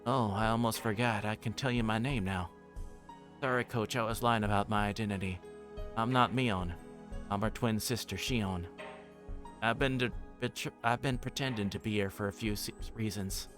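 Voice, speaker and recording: A man's voice: lowish voice, fairly even intonation, moderate pace, faint music behind. A man livestreaming a visual novel, reading the story aloud as narration with his own asides and voicing the dialogue. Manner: voices characters' dialogue while reading.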